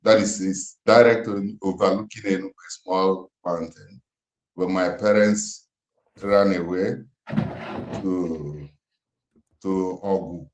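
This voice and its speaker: A deep-voiced Nigerian man in his fifties talks over an echoey phone line. He speaks slowly and gravely, leaning on each phrase as if preaching. The call sounds roomy and hollow. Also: steady tone. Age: 50s. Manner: slow, emphatic, grave. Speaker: interviewer on a call. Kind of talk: impassioned questioning, near-sermon.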